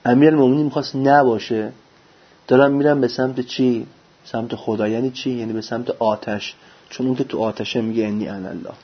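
A man giving a religious lecture, preaching with lively rhetorical questions and answering them himself. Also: medium pitch, breathy edge. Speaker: religious teacher. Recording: dull lo-fi recording.

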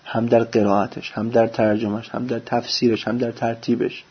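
A man giving a religious lecture, preaching with lively rhetorical questions and answering them himself. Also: mid-range voice, husky. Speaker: religious teacher. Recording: dull lo-fi recording.

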